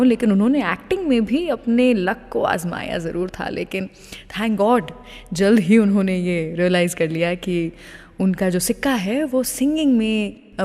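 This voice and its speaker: A woman hosting a radio show, chatting warmly and telling stories between songs, building up what comes next. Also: medium pitch, in a large hall. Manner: lively storytelling, teasing what comes next. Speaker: radio host.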